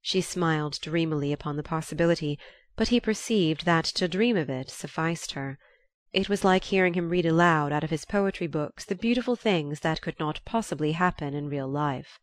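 A woman narrating a novel aloud in a calm, even storytelling manner. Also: low-pitched, moderate pace, no room sound, studio quality. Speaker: audiobook reader.

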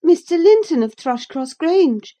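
Lady putting on a high bouncy young girl, eager and a bit spoiled, storybook reading. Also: a little slow. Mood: indignant. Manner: bright, pleading, excitable.

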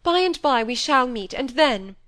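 A woman's voice: a little high, expressive, normal speed, a bit bright, pitched above the performer's own voice. A woman voicing a proud, wounded young woman who speaks in a cold, clipped, resolute way.

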